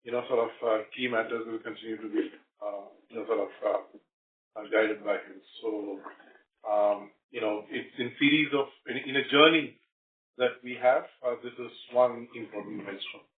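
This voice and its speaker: A male company executive speaking haltingly on an earnings call, leaning on repeated filler phrases. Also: lowish voice, slight background noise. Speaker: company executive answering analysts. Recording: roomy, distant phone-like conference line.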